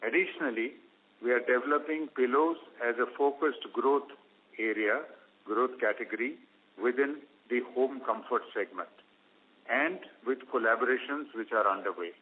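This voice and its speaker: A man's voice: medium pitch, normal speed. Indian man on a tinny conference line. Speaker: company executive presenting results. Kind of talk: scripted earnings call presentation. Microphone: conference call line. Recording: phone-like, narrow-band conference call line.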